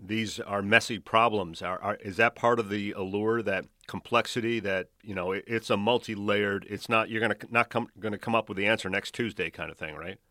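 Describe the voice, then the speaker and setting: A man's voice: on the low side, fairly even intonation, brisk, few pauses, bright, forceful tone, no room sound, studio quality. A man hosting a podcast, asking questions in a conversational, loosely phrased way. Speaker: podcast host, interviewer.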